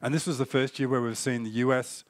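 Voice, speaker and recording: A fast-talking man in his forties presents a keynote on cyber threat intelligence from the stage, coughing at times because he's still shaking off a cold. His mid-range voice keeps a fairly even intonation through a loose, explanatory delivery peppered with fillers, recorded dry.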